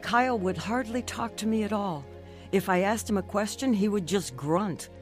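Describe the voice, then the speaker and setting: An actress playing an earnest, emotional middle-aged Christian wife in a radio drama. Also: female voice, mid-range voice, moderate pace, faint music behind, close to an everyday voice. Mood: earnest, reflective. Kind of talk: radio drama narration and dialogue.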